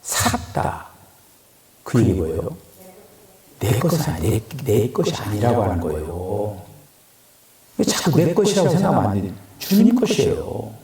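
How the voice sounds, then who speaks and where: A man preaching a sermon in Korean, acting out quoted voices and swinging between loud and murmured lines. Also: on the low side, big pitch swings, normal speed, long pauses. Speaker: pastor. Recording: echoey room from far off.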